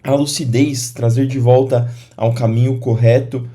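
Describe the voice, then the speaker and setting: A man with a Brazilian Portuguese accent giving informal commentary on a Bible passage, pausing and restarting his phrases. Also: mid-range voice, steady tone, dark tone. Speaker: church commentator.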